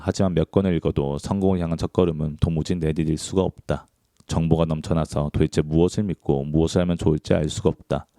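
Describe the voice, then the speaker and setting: Deep gravelly man reading a book aloud. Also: warm tone, dry recording, clean studio sound. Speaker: book reader. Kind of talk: audiobook-style book reading.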